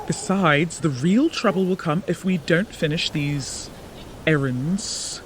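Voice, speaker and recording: An actor playing a breezy, chatty palace servant in an audio drama. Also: male voice, on the high side, slow, a little hiss or hum.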